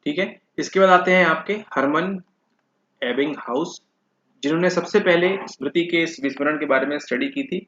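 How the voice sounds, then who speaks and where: A man teaches an exam-prep class in a slightly higher voice. He keeps asking his listeners questions and then answers them himself. The sound is dull and lo-fi, with a roomy echo. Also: normal speed, a bit bright. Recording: echoey room, dull lo-fi sound.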